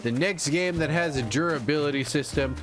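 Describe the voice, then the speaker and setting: Over music, a man with a slightly high voice talks fairly quickly while livestreaming a game. He rambles playfully and pokes fun at himself as he plays.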